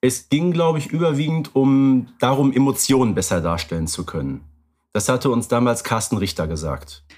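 A man co-hosting a podcast, talking in a relaxed way and thinking aloud with fillers. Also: medium pitch, moderate pace. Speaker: podcast co-host. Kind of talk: casual podcast discussion.

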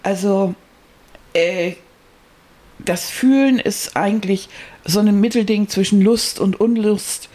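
A woman with a slightly husky voice at a middle pitch, chatting on a podcast. She explains ideas reflectively, with lots of fillers and self-corrections as she goes. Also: takes it slowly, pauses often. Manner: explanatory, many fillers and restarts, gently reflective. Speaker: podcast co-host. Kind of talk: casual conversational chat.

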